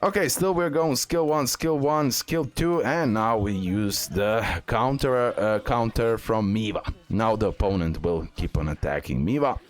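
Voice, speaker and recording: A man who is not a native English speaker hosts a casual gaming video, explaining strategy informally and repeating phrases for emphasis. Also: fairly low pitch. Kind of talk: casual game strategy commentary over recorded gameplay.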